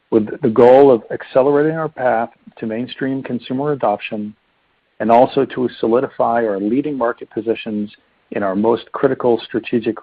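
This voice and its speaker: A man delivers prepared financial remarks formally and evenly, like an executive on an earnings call. His voice is somewhat husky and of ordinary pitch. It comes through a very narrow telephone line. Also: dry recording. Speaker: company finance executive presenting results. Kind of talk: scripted earnings report narration. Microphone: telephone conference line. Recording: muffled narrow phone-line conference call.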